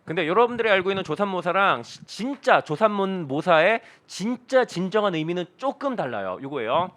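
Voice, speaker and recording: A man's voice: high-pitched, sing-song, a little fast, fairly bright tone. A man in his thirties teaching an online accounting lecture, playful and jokey, acting out little quoted scenes. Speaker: accounting instructor.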